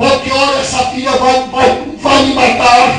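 Shouting in an animated tone with a Brazilian accent, a man speaks at a fairly slow pace and an extremely high pitch, with strong room echo and noticeable background noise. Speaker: pastor. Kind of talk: sermon. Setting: church. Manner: animated, exhortative, call-and-response; fervent, preaching with shouted praise. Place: church.

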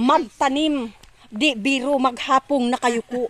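Her pitch high and her pace fairly slow, a woman speaks in a dry, close sound with no echo. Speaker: vlogger. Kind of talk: casual vlog narration to camera.

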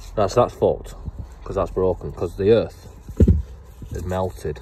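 Delivered at a fairly quick pace, the speech has a dry sound with no echo and noticeable background noise. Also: man. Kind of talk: tutorial. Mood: wry, joking. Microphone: phone near.

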